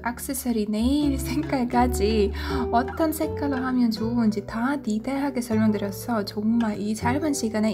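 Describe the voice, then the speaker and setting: High-voiced young woman narrating a vlog. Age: young adult. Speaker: beauty vlogger.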